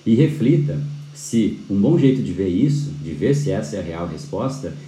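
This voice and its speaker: Dark-voiced man teaching live. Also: fairly low pitch, normal speed, echoey room, rough recording. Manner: animated, frequent tag questions, restarts. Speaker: persuasion course instructor. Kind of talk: live-streamed lecture.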